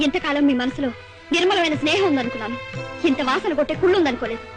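A woman's voice: high-pitched, lively intonation, rapid-fire, over music. A proud young woman spurning love. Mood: indignant. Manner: firm, lecturing and indignant.

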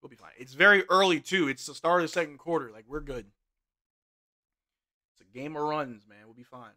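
Young male streamer, bright sharp tone, hoarse voice, casual play-by-play plus chat banter. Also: fairly high pitch, fairly quick. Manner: play-by-play calls mixed with relaxed banter. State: voice getting hoarse. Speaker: sports watch-along streamer. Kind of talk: live game commentary and chat reading. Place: small indoor room with gaming chair.

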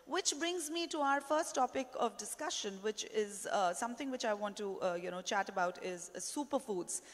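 A woman's voice: medium pitch, lively intonation, moderate pace. A woman in her thirties moderating a panel on a conference stage, chatty and anecdotal with many fillers, into a handheld mic. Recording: long hall reverb.

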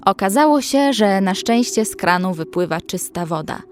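An actress playing a young female survivor, caring and anxious, narrating a horror audio drama in measured, emotive storytelling. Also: mid-range voice, animated, natural voice. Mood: calm, reflective.

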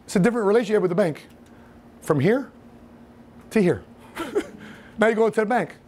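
A man in his forties gives an animated motivational seminar talk in an indoor training room with a whiteboard and a seated audience. He paces and gestures in front of them, laughing and acting out scenes. His voice is high-pitched and his delivery brisk.

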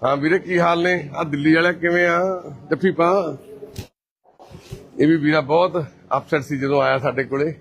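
Punjabi-accented man hosting a live shelter tour, upbeat and coaxing, voice sitting a touch high. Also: fairly even intonation, moderate pace, pauses often, fairly bright tone. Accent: Punjabi from Punjab, India. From Punjab, India. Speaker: host and caretaker at a care shelter. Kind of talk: live walk-through narration.

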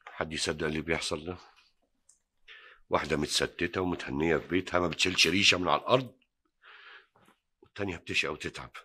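An actor with an Egyptian accent playing a troubled older husband, indignant and sighing pious exclamations. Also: male voice, a bass voice, fairly even intonation, fast talker, pauses often, bright, forceful tone, breathy edge, exaggerated voice. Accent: Egyptian Arabic. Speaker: husband, a hajj. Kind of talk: Egyptian TV drama acting.

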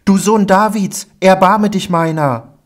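A man voicing a blind male beggar who cries out loudly and pleads to be healed, in a Bible audiobook. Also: high voice, measured pace, voice pushed up. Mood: pleading cry.

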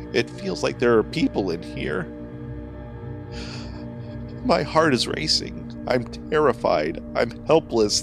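A man's voice: mid-range voice, vocal fry, exaggerated voice. A man voicing a feverish, terrified man losing his mind, erratic and manic, in a horror audio story. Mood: feverish dread. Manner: erratic, halting then shrieking, manic. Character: feverish, terrified, unhinged man reading his deranged journal.

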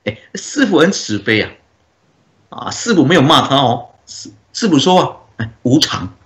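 A man, a Buddhist monk, giving a dharma talk as a story, with drawn-out filler particles and frequent chuckles. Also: a little high, very animated, a bit bright.

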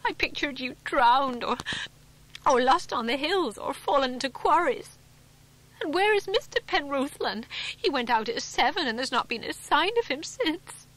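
A woman's voice: expressive, normal speed, a bit bright, rough recording. Woman doing a frantic tearful farmer's wife. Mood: anxious. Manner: high, wailing, breathless.

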